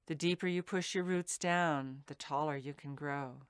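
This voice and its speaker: A woman meditation teacher leading a guided meditation in a soothing, deliberate way with pauses between phrases. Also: deep voice, fairly even intonation, clear, resonant tone, dry recording.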